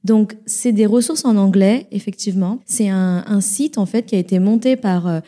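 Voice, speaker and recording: A woman's voice: mid-range voice, normal speed, dark tone. A young woman studying sociology, speaking thoughtfully as a guest in a casual podcast chat. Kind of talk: casual round-table chat.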